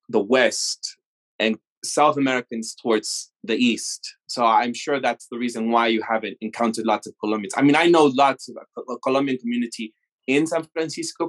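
A man's voice: mid-range voice, normal speed, rough recording. A man from Mexico in casual conversation, rambling and laughing as he tells stories, often cutting himself off mid-sentence. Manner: rambling, self-interrupting, laughing storyteller.

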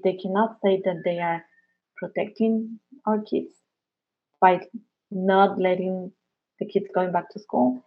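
A woman's voice: medium pitch, creaky. Earnest woman from Ecuador, lo-fi. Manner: earnest, frequent restarts and fillers. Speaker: interviewee. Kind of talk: conversational interview. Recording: muffled, lo-fi recording.

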